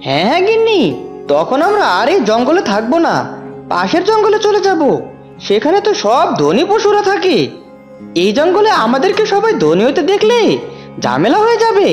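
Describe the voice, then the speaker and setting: Lady doing a super high squeaky fox guy, dim thieving husband, swoopy cartoon voice, bit of music behind. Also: wildly swooping pitch, normal speed, heavily acted. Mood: eager. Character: foolish, timid thieving male fox husband. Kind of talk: cartoon character voice.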